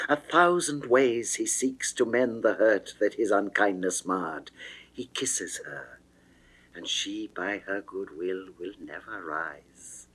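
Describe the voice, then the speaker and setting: A man's voice: fairly low pitch, low-quality recording. A man giving a dramatic, declamatory reading of classical narrative poetry. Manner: theatrical, measured, declamatory. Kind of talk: dramatic reading of Elizabethan verse.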